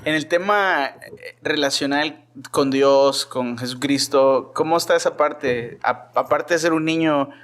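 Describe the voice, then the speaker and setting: A man's voice: a little high, measured pace, a bit bright. A man hosting a podcast interview who asks questions, restarts his phrases, and says brief affirmations while his guest talks. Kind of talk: interview questions with short backchannels.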